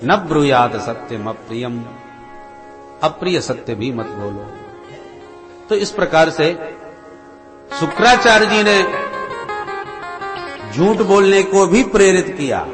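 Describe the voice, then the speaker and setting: Animated male preacher in echoing hall. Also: sits high, slow, pauses often. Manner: animated, expressive preaching with Sanskrit verses. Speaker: religious storyteller. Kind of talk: devotional scripture sermon. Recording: reverberant hall with instrumental music.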